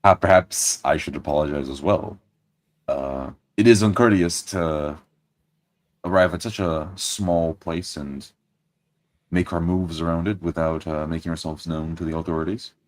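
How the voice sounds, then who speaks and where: Tabletop aristocrat adventurer, acted by a male player: extremely deep voice, dry close sound, stiffly polite. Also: fairly even intonation, no echo, close to an everyday voice. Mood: apologetic, courtly. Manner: formal, stilted, measured politeness. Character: formal, courtly nobleman adventurer from a foreign house.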